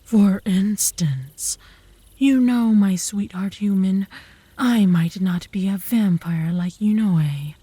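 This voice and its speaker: Actress as possessive werewolf flirt for ASMR drama: very husky, whispery, cocky drawl, close and dry. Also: female voice, mid-range voice, dark tone, dry recording. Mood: possessive, seductive. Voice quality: breathy, often dropping to a whisper. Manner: slow, teasing, seductive drawl. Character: flirtatious, obsessive werewolf woman, cocky rival. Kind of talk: ASMR roleplay, slow breathy teasing. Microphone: close ASMR microphone.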